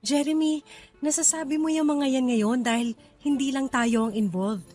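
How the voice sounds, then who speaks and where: A woman's voice: high-pitched, steady tone, normal speed, darkish tone, faint music behind. A woman playing a guarded, hurt young KTV hostess in a radio romance drama, speaking in an emotional, pleading manner. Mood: resigned.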